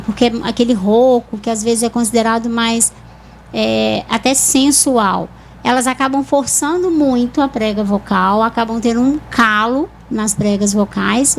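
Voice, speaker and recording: A woman with a Brazilian accent, a speech therapist calmly explaining voice and articulation in a TV interview. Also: on the high side, a little hiss or hum, low-quality recording. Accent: Brazilian Portuguese. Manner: calm, didactic explanations with examples.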